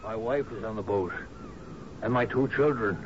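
An actor playing a polite gentleman newcomer in a radio drama, formal and smooth-mannered. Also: fairly low pitch, moderate pace, crowd noise, natural voice. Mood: courteous. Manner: courteous, formal. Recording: muffled old radio broadcast with clear hiss.

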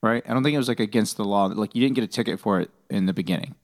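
A man's voice: lowish voice, rapid-fire. A man co-hosting a casual comedic podcast, dropping wry, sarcastic asides. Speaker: podcast co-host.

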